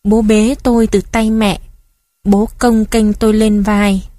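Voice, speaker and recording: A woman reading a first-person memoir story aloud in a gentle, reflective storytelling manner. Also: medium pitch, flat delivery, takes it slowly, no echo. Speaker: narrator. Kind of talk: scripted narration of a memoir story.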